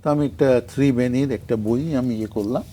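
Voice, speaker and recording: A mellow, dark-toned older man speaks as a studio guest, rambling between thoughts and filling gaps with hesitations. He breaks into recitations of short poems, and a faint hiss sits under his voice. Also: medium pitch, a little fast. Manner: rambling, many fillers, reads his short poems aloud. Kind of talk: relaxed interview talk with poetry recitation.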